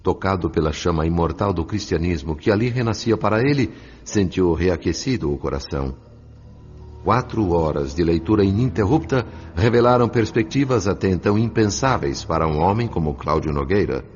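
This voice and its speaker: Brazilian guy narrating a radio drama, deep solemn literary delivery, soft music behind him, bit dull sounding. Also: expressive, brisk. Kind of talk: scripted dramatic audiobook narration. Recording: slightly muffled, music underneath.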